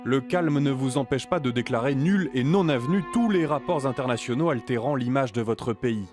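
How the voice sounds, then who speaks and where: A man's voice: mid-range voice, moderate pace. A man giving polished, scripted narration for a documentary profile. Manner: polished, even delivery. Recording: music bed behind.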